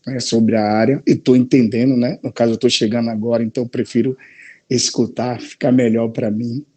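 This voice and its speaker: A man speaks as a guest over a video call. His voice is mellow and relaxed, and he talks hesitantly, often checking in with his listeners. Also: medium pitch, brisk. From Salvador, Bahia, Brazil. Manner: hesitant, with frequent "né?" and "certo?". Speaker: guest, real estate broker. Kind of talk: casual live-stream chat.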